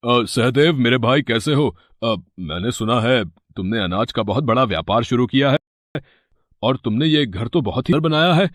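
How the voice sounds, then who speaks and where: A man's voice: medium pitch, lively intonation, normal speed, dry recording, clean studio sound, natural voice. A man voicing a greedy, scheming elder brother in a cartoon story, wheedling and putting on fake tears. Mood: fawning. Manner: wheedling, fake-weeping, then panicked. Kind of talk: cartoon voice acting.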